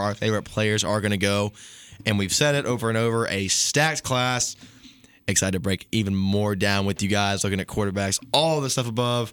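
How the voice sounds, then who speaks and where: An unremarkable speaking voice at a fairly quick pace, with very even loudness and ordinary pitch variation. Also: man. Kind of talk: radio DJ patter, station promo read and sports banter.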